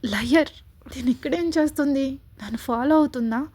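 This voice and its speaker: A woman's voice: high-pitched, moderate pace, darkish tone, natural voice. A woman voicing an irritated young man grumbling in his head, in a storybook reading. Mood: exasperated. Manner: exasperated, muttering to himself. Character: irritated young man, muttering inner thoughts.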